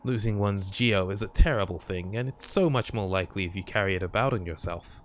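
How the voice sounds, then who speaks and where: A man's voice: sits low, fairly quick, slight background noise, natural voice. A man voicing a chatty, polite old lady banker creature from a video game, with a genteel salesmanlike patter. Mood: courteous, salesmanlike.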